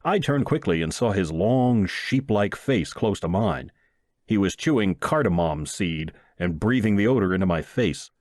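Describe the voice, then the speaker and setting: A man reads a comic short story as an expressive narrator. His voice sits fairly low and moves around a lot in pitch. The sound is dry, with very little room in it. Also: moderate pace, no echo. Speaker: audiobook narrator and reader.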